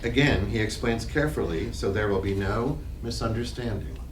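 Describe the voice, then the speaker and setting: A man narrates a play in scripted literary prose. His mid-pitched voice sits away from the microphone in a reverberant room with faint noise. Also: normal speed. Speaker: narrator reading stage directions. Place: library reading room. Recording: distant mic, echoey room, noisy.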